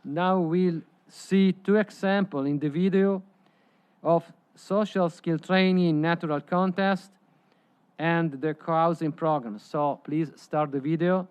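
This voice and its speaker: A man whose first language is Italian gives a prepared presentation at a conference, in slightly halting phrasing. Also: fairly high pitch, steady tone, smooth. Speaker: presenter at a conference side event.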